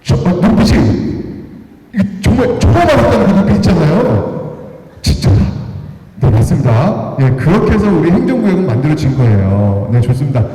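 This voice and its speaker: A man's voice: on the high side, big pitch swings, moderate pace, dark tone, recorded from a distance. A man giving a live history lecture, quizzing the audience and counting raised hands. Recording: echoey hall with long reverb.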